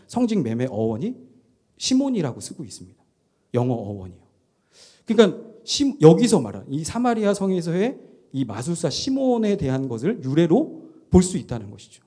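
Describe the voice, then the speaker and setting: A middle-aged male pastor preaching at a Friday prayer meeting in a chatty way, acting out quoted lines and asking the congregation questions. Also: high voice. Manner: acts out quoted lines with shifts in loudness; chatty, laughs at himself.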